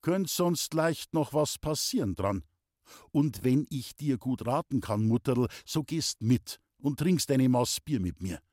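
A man reading an audiobook, voicing a calm young woodcarver with a Bavarian accent, gentle and coaxing. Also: mid-range voice, unhurried, no room sound, clean studio sound.

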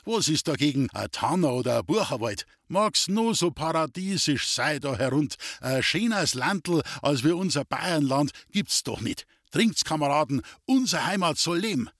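A man's voice: on the high side, lively intonation, moderate pace, hardly any pauses, fairly bright tone, no echo, studio quality, pitched above the performer's own voice. A male narrator playing a hearty, blunt Bavarian soldier with a Bavarian accent.

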